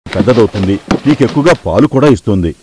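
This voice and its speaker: A man's voice: fairly low pitch, lively intonation, fast, background noise, lightly acted. A man voicing a kindly but firm old grandfather in a dubbed cartoon, persuasive and reasoning. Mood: firm persuasion.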